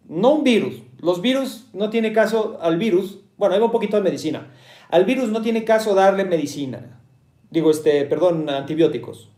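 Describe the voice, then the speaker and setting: A man's voice: sits high, dark tone, echoey room. A man with a Mexican Spanish accent, a meditation teacher explaining ideas to listeners, often asking rhetorical questions, checking in with "¿sí?", and repeating key points.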